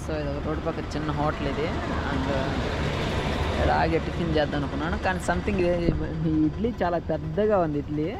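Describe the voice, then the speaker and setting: A man's voice: on the high side, fairly even intonation, brisk. A man talking casually to viewers as a travel vlogger, repeating himself and mixing in English words. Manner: repetitive, mixes in English words. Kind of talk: casual vlog talk to viewers. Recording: loud traffic and outdoor vehicle noise.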